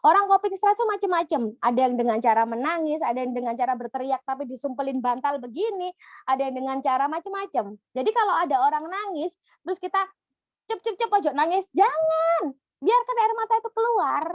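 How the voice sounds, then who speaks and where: Animated high-voiced woman psychologist. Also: fast talker, no room sound. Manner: lively, acts out the voices of children and clients. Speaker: psychologist answering audience questions. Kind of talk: online Q&A talk. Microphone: video call.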